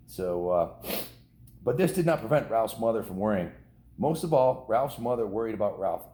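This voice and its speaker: Reading a children's novel to kids, a storybook reader with a low, relaxed male voice keeps things casual and chatty. He ad-libs his own remarks to the children as he goes, and the echoing indoor space is clearly audible.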